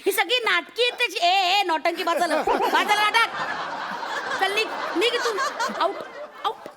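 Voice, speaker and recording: Bossy scolding woman, very high voice. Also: normal speed, heavy background noise. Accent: Marathi. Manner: bossy, scolding, shouting orders. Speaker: office boss in a sketch. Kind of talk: stage comedy sketch.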